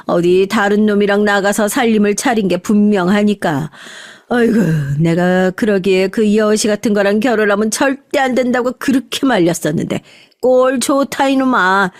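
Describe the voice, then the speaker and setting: A woman's voice: mid-range voice, no echo, clean studio sound, natural voice. Woman as a bitter, scolding old grandmother. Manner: scolding, cursing. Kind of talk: audio story drama.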